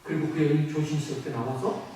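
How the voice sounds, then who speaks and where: A man preaching a sermon as pastor, animated, asking the congregation questions and answering them himself. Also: a little high, quick pace. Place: church sanctuary. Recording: very echoey hall, mic at a distance.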